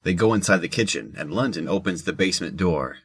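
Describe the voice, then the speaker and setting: A man narrates a scripted audio drama. His voice is low and rough-edged, with a forceful, present tone. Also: expressive, fairly quick.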